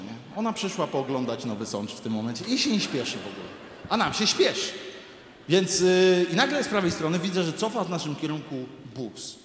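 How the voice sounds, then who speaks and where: A man tells a crude comic story on a big arena stage, and his voice leaps up and down as he acts out each person in it. His pitch sits a little high for a man. The sound carries the long echo of a huge hall, with crowd ambience behind him. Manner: animated, profane, acts out quoted people. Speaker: stand-up comedian. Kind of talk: stand-up storytelling. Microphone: handheld stage mic. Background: audience laughter.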